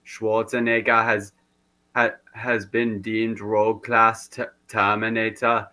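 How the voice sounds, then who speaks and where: A man playing a malfunctioning male cyborg assistant who stutters and repeats syllables like a rusty robot, in a stiff deadpan monotone. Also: lowish voice, slow pace, voice pushed up. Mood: robotic. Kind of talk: comedy sketch role-play.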